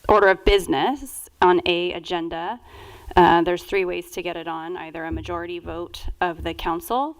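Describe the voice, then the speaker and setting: A woman with a fairly low voice and plenty of vocal fry speaks in a council discussion. She explains her points deliberately, with halting phrasing. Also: rough recording. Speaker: city council member.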